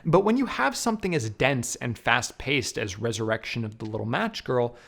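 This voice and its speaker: Animated male video essayist, lively pitch swings. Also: normal speed, creaky. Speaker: film reviewer and essayist. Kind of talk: scripted video essay narration.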